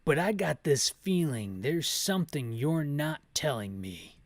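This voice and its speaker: A man voicing a gruff, mistrustful action hero from a video game, with slow, dramatic delivery. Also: on the high side, big pitch swings, no echo. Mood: suspicious.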